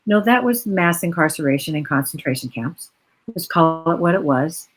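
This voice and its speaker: A woman with a slightly low voice joins a virtual panel over a video call. She speaks earnestly and reflectively, in long flowing explanations. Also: moderate pace, poor audio. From United States.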